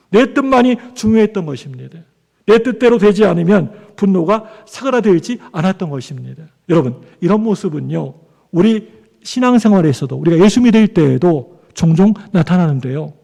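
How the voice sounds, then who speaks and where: A man's voice: high voice, gravelly, darkish tone. A male pastor preaching a sermon in a conversational way, asking the congregation for amens. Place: church sanctuary. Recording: long church hall reverb.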